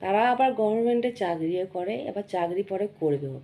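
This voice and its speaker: Young woman vlogger, hoarse with a cold, dark mellow tone, earnest and preachy to camera. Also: medium pitch, expressive, brisk. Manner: earnest, preachy, keeps checking in with the listener. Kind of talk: casual monologue to camera.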